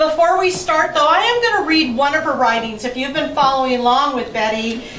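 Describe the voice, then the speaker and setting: A woman speaks over noticeable background noise. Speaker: heritage association president. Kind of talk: event introduction.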